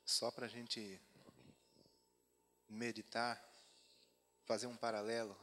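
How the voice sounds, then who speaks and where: A man's voice: lowish voice, flat delivery, slow pace, pushed and bright. A man with a Brazilian Portuguese accent preaching a sermon at a church retreat, mixing chatty asides with scripture read aloud. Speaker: pastor. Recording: long hall reverb.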